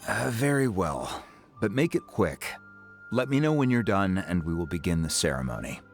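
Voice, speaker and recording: Tribal chief in a video game, deep voice, stately n patient, formal but expressive. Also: male voice, moderate pace, faint music behind. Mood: reluctant. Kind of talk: video game character acting.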